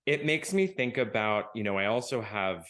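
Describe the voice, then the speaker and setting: A man's voice: on the low side, animated, normal speed, fairly bright tone. A man hosting a podcast, from rural Iowa, talking in a thoughtful, hesitant way with many fillers. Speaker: podcast host. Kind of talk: casual interview conversation.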